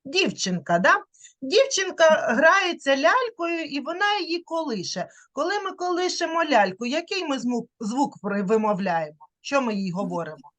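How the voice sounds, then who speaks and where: A woman's voice: a little high, very animated, normal speed, a bit bright. A woman giving an online literacy lesson to a young child over a video call. She draws out the vowel sounds to demonstrate them and coaxes the child along with patient questions. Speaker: teacher.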